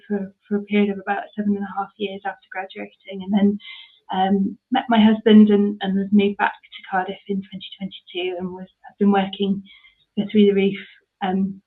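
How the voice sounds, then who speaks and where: A woman, answering interview questions about her charity work with many ums and restarts. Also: medium pitch. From mid Devon, England. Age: 30s. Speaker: charity ministry worker. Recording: tinny phone-like line.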